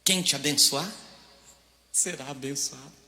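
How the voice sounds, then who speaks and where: A Brazilian pastor preaching a storytelling sermon, swinging from hushed asides to loud outbursts, in a church hall. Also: male voice, mid-range voice, unhurried, gravelly. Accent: Brazilian Portuguese.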